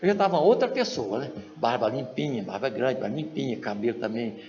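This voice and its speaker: A man's voice: a little fast, muffled recording. Man, Brazilian accent, storytelling lecture, acts out dialogue, long hall reverb, faint background noise. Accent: Brazilian Portuguese. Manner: acts out quoted dialogue with lively shifts in pitch. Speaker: spiritist lecturer.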